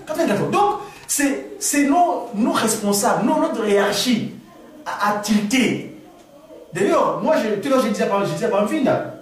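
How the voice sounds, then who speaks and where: Man from the Congo, animated, restarts a lot; high-pitched, recorded from afar. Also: normal speed. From Republic of the Congo. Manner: animated, repeats words and restarts, rising to exclamations. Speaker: speaker answering questions at a gathering. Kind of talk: spontaneous talk to an audience. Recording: echoey room, far from the mic.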